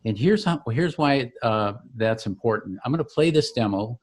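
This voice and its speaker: A man with a mid-pitched voice walks through a product demonstration conversationally. He explains each point with enthusiasm, like a founder showing off his own work. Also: expressive, moderate pace.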